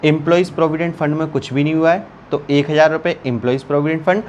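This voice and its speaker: A man's voice: on the high side, fairly even intonation, fast, darkish tone, lo-fi sound, a little hiss or hum. A man teaching an online accountancy class, working sums aloud while writing and teasing his students. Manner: chatty, teasing, calls students beta.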